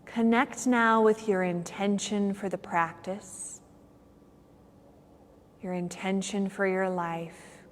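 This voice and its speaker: A woman's voice: mid-range voice, steady tone, a little hiss or hum. Woman guiding meditation in long reverb. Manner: unhurried phrasing with long pauses. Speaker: yoga teacher. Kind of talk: guided meditation.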